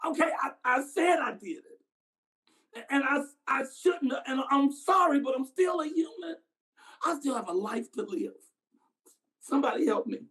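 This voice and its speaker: A man's voice: high-pitched, very animated, a little slow, pauses often, full character voice, low-quality recording. A man performing a dramatic monologue as a haunted Southern man, stammering and repeating words as he recalls a boyhood horror. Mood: desperate pleading.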